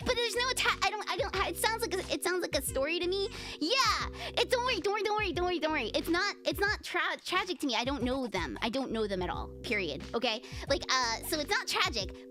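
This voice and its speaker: High, lively young woman streamer. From United States. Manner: giggly, rambling, many fillers and restarts. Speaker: VTuber streamer. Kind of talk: casual livestream chat reading comments. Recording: music playing behind voice.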